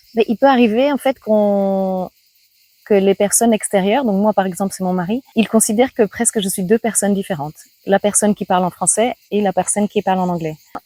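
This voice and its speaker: Speaking at a fairly quick pace, a woman with a dark, mellow tone and medium pitch uses ordinary pitch variation in a dry, close sound with no echo. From Australia until age 7, then Belgium and France. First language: English (speaking French). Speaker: cooking and baking YouTuber. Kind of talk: casual vlog.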